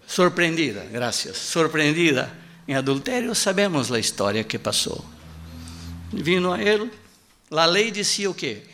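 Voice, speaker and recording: A male preacher, a native Portuguese speaker, delivering a sermon in halting Spanish with Portuguese words mixed in, repeating his key line with emphasis and acting out the quoted voices. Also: on the high side, very animated, bright, forceful tone, soft background music.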